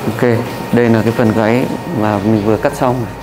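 A young man, a barber calmly explaining each step of a haircut and repeating himself, recorded on a lapel mic in a busy barbershop. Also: fairly low pitch, fast, music in the background, low-quality recording. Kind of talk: casual step-by-step demonstration. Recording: clippers buzzing behind. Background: electric clippers and shop chatter.

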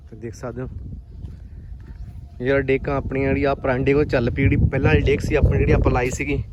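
A man's voice: mid-range voice, little pitch movement, fast, a little mellow, highs cut off. A man from Punjab, India, talking casually to his viewers as friends while vlogging outdoors in farm fields on a handheld phone. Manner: chatty, talks straight to viewers as friends. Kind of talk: casual vlog chat. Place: outdoors in rural farm fields, on a motorbike and walking. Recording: outdoor phone audio with clear wind and field noise.

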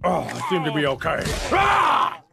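A man's voice: on the high side, wildly swooping pitch, a little slow, vocal fry, very noisy. A man doing gaming commentary in a Santa persona, yelping and laughing as he plays. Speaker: gaming video host.

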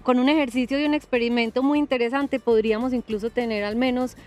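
A young woman hosting a TV gardening show, talking calmly outdoors in a garden with a few fillers. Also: fairly high pitch, fast talker. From Colombia. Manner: calm, explanatory, with fillers. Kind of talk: relaxed TV show conversation.

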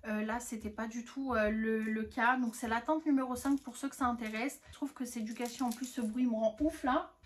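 A woman's voice: on the high side, fairly even intonation, fairly quick, hardly any pauses. A young woman reviewing used-up beauty products in a casual, frank chat. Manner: chatty, frank, lots of "honnêtement" and "franchement". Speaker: beauty vlogger.

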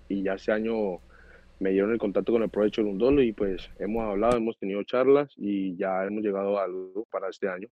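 A man's voice: fairly low pitch, no room sound. A man in his twenties from Cali, Colombia, with a Colombian accent, giving plain, modest answers in a video-call interview. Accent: Colombian Spanish. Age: 20s. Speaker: guest footballer. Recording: dry, dull video-call audio.

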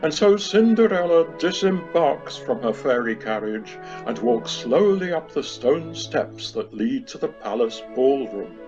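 A man's voice: medium pitch, very animated, unhurried, few pauses, muffled recording, music in the background. A man narrating a scripted comic pantomime story, recorded remotely.

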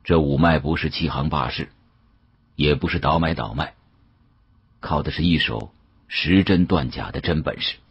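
A man voicing a grave, knowing older male official in an audiobook, husky, unhurried and lecturing. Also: very deep voice, no echo, highs cut off, exaggerated voice. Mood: solemn, proud. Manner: slow, weighty, lecturing.

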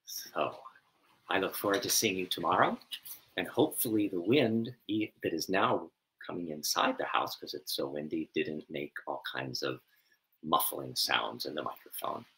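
Minister in his fifties, low and bright-toned, slow, gentle delivery with fillers, webcam at home. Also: rough recording. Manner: soft, unhurried, with many fillers. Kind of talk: reflective talk and scripture reading. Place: home room, indoors. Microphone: webcam at desk distance.

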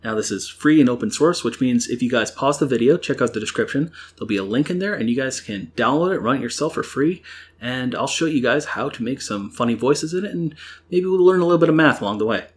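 Young man explaining software steps. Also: mid-range voice, lively intonation, quick pace, slightly rough. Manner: friendly, explanatory. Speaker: library program host. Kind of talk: software tutorial. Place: home kitchen-living room, indoors.

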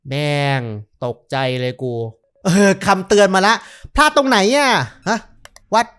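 Excitable man voicing a horror game. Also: sits high, slow pace, clear, resonant tone. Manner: excitable, swears and yelps when startled. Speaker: gaming YouTuber. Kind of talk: casual let's-play commentary.

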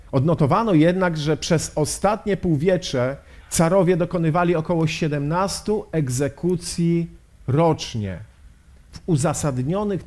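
A man's voice: on the high side, a little mellow. A male pastor giving a sermon lecture, telling a story solemnly and posing rhetorical questions. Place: lecture at a health exhibition.

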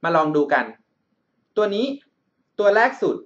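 Male tutor for screencast lessons, a bit high-pitched, friendly big-brother tone, slightly muffled recording. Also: animated, measured pace, a bit bright. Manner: calls himself by a big-brother nickname, checks in with the student often. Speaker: math tutor. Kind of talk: explaining exam problems over a whiteboard screencast. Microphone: voice-over on a screen recording.

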